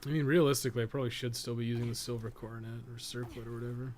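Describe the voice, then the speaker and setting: A man's voice: mid-range voice, level tone, very fast, a little mellow, a little hiss or hum. A man giving casual live gameplay commentary, rambling and thinking aloud in loose, sometimes profane language. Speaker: podcast co-host and gaming streamer.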